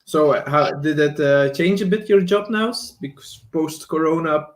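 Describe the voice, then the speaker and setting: A man's voice: fairly high pitch, moderate pace. A man hosting a live online talk show, introducing a guest in a loose, friendly, rambling way over a video call. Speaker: host. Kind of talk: casual interview chat.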